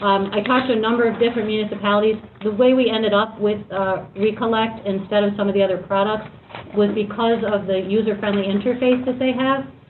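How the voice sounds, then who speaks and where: Talking at a very fast pace, a woman with a fairly high pitch and fairly even intonation is heard through noticeable background noise and audible room echo. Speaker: city recycling staff member. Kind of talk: budget presentation at council meeting.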